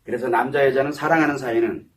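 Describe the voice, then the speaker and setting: A man's voice: medium pitch, fairly even intonation, fast talker, slight background noise. A man giving a psychology lecture, asking the audience questions and answering them himself. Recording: voice somewhat far from the mic.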